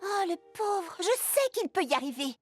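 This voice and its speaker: A woman voicing an earnest, excitable young girl in a French cartoon dub, speaking expressively and exclaiming often. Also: extremely high pitch, normal speed, faint music behind. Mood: caring, eager. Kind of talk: French animated series dub.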